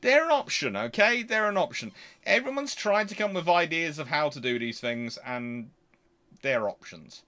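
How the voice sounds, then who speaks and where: A man's voice: on the high side, very animated, normal speed, bright, forceful tone. A man hosting an unscripted question-and-answer talk, speaking discursively and working through his thoughts aloud. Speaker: host answering audience questions.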